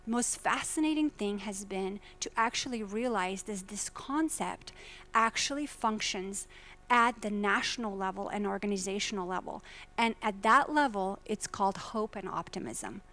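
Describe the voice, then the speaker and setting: A woman from Croatia speaks at a business conference, with an earnest, questioning delivery. Her voice sits at a middle pitch and she keeps turning to the audience with direct questions. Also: normal speed, bright, forceful tone. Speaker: faculty presenter. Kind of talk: conference keynote talk. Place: lecture hall at a business summit.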